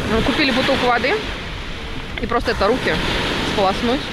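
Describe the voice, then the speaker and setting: Loud background noise surrounds a woman speaking at a fairly quick pace. The sound is dry, with no echo. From Russia, Nizhny Novgorod. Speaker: vlogger. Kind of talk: casual vlog chat. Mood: playful, affectionate. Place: beach. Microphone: phone near.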